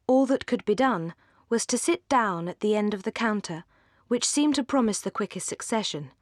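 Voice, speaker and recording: A woman reads a classic novel aloud at a measured, graceful pace, letting her voice settle low at the ends of phrases. Her pitch sits in the middle range for a woman. The recording is close and completely dry, as from a studio booth. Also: dry recording. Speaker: audiobook narrator.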